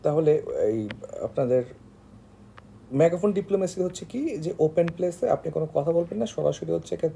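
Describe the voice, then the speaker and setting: A man with a Bangladeshi accent teaches informally in a very dark, soft-edged voice that sits slightly high and turns creaky. He explains step by step in a halting way, leaning on filler phrases. A faint noise sits behind him. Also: expressive. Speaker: online tutor for job exam candidates.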